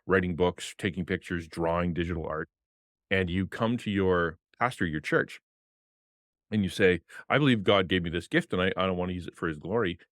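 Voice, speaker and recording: A middle-aged man and former pastor with a deep voice, talking passionately as a guest on a video-call podcast at a desk mic. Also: fairly quick, no echo, clean studio sound. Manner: passionate, animated, gestures with hands. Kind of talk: casual interview talk. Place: home streaming room with colored lights. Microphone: desk podcast mic on arm, headphones.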